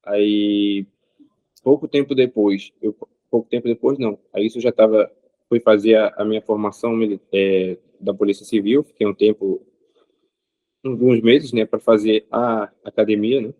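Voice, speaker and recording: A man, an interview guest speaking in a measured way with frequent pauses and filler sounds. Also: on the low side, steady tone, dry recording, phone-quality sound. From Rio de Janeiro state, Brazil. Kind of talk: casual interview answers.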